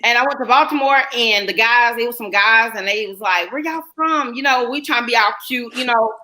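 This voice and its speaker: A woman's voice: on the high side, a little fast, pushed and bright, low-quality recording. A woman with a Southern US accent from North Carolina, hosting a casual live chat and reading out viewer comments. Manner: chatty, reads viewer comments aloud. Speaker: livestream host.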